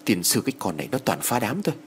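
A man voicing an anxious, scowling village husband, talking loudly and impatiently. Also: lowish voice, big pitch swings, a little hiss or hum. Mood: irritated. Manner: loud, exasperated, quick.

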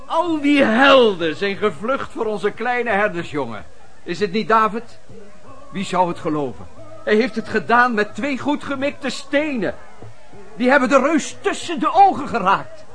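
An actor playing an exuberant admirer of a young battle hero in a Dutch radio play. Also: male voice, high voice, very animated, normal speed, a bit bright, faint music behind. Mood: jubilant. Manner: exuberant, exclamatory.

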